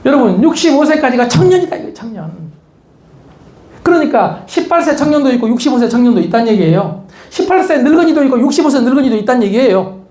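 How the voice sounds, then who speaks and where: A man giving a lively motivational lecture, teasing his audience with questions and jokes. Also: very high-pitched, fast. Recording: echoey lecture hall.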